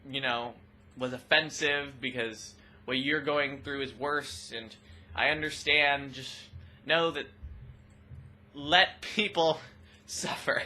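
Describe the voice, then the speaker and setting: A young trans woman with a rather deep voice, talking expressively and loudly in a casual personal vlog. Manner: expressive, loud, laughs often. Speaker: vlogger.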